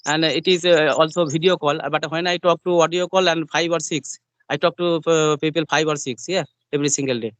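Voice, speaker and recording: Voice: mid-range voice, steady tone, a bit bright, no echo. An English learner from West Bengal with a Bengali accent, whose mother tongue is Bengali, asking questions in a casual practice chat with many fillers. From West Bengal, India. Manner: quick, repetitive affirmations with filler-heavy phrasing. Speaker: English learner interviewing a trainer.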